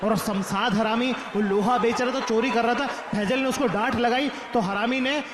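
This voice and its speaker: A man doing stand-up comedy in Hindi, telling a story with acted-out quotes and moving from hushed asides to shouting. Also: very high voice, steady tone, moderate pace. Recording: echoey hall with audience noise.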